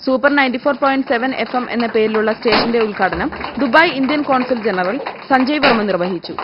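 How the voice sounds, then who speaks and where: Fast-talking woman reading news. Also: background noise. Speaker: news reader. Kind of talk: scripted news narration. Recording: muffled, low-fidelity broadcast audio.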